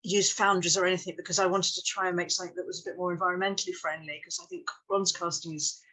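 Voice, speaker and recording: A woman's voice: on the low side, flat delivery, fast talker, pushed and bright. A woman speaking as a sculptor in an interview, earnest, often repeating herself and trailing off mid-phrase. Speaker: sculptor guest. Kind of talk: interview answers.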